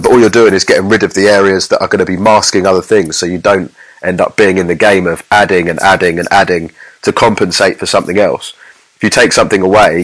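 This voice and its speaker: A mix engineer co-hosting a podcast gives casual, rambling technical explanations packed with examples. His voice is low with a fairly bright tone, and the recording is rough.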